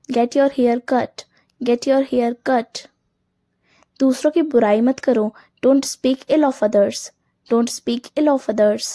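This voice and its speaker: A woman teaching English phrases, saying each one quickly and then slowly repeating it twice. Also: fairly high pitch, warm tone. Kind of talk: slow phrase drill lesson.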